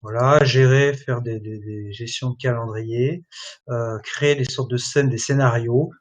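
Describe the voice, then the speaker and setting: A man presenting and demoing software in a webinar, talking in a halting way and filling pauses constantly. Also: medium pitch, steady tone. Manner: hesitant, many fillers like voilà and hein. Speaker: product presenter.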